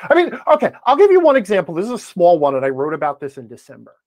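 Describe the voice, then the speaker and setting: Animated, emphatic man explaining his opinion. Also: sits high, fast, dry recording. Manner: emphatic, checks in with "okay" and "right". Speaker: podcast guest, game design commentator.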